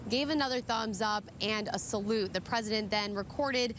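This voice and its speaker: An American woman works as a field reporter giving a live news report. Her voice sits at a middle pitch, with a faint rumble of traffic noise behind it. The delivery is structured and journalistic. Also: moderate pace, a bit bright.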